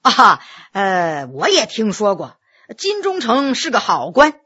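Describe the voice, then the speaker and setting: A woman's voice: medium pitch, wildly swooping pitch, takes it slowly, sharp tone, husky, dull audio, voice pushed down, full character voice. A woman voicing a gracious, generous middle-aged nobleman who talks in an easygoing way with filler sounds. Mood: genial.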